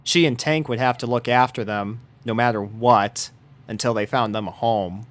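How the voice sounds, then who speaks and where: A young man reading a fan story aloud in a measured, gentle narration. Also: mid-range voice. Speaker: fanfiction reader.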